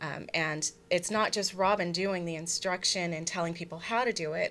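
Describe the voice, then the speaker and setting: With an unremarkable speaking voice, a woman talks at a moderate pace and fairly low pitch, her intonation fairly even, over light background noise. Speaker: guest. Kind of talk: interview answer. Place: studio. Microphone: studio mic.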